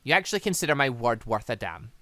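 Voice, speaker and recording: Man voicing tough guarded mother, visual novel game character, terse, challenging, lowered pitch, dry sound. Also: very animated, fast, sharp tone, dry recording. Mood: skeptical. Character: gruff, proud, guarded mother, a strong warrior woman.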